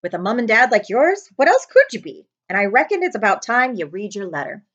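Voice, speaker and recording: A woman voicing a huge, gruff, hot-tempered wizard man from a storybook, blunt and emphatic, with drawn-out words. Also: fairly high pitch, wildly swooping pitch, fairly bright tone, highs cut off, full character voice. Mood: proud.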